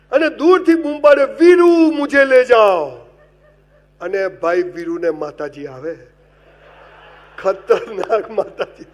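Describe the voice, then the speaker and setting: High-voiced, animated male motivational speaker. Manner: animated comic storytelling with wide swings in loudness; addresses the audience directly and gives advice. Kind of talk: humorous motivational speech.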